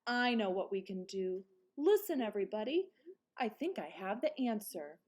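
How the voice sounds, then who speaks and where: A woman's voice: medium pitch, big pitch swings, normal speed, a little mellow. A woman voicing a worried young boy rabbit, an anxious big brother who exclaims and calls out, in a children's storybook read-aloud. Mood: excited, resolute.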